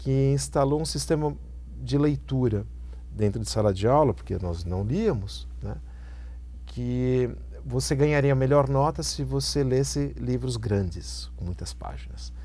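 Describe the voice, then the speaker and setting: Room echo is audible around a man who talks fairly slowly. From Brazil, São Paulo and ABC region (São Bernardo do Campo). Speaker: professor. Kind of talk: interview. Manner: hesitant, many fillers.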